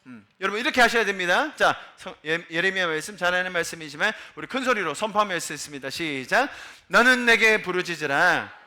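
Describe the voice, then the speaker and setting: A man preaching a sermon in a church, animated, jumping between loud declarations and hushed asides, often quizzing his congregation. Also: high-pitched, fast talker, hardly any pauses. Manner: addresses the congregation directly and quizzes them. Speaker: pastor. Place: church sanctuary.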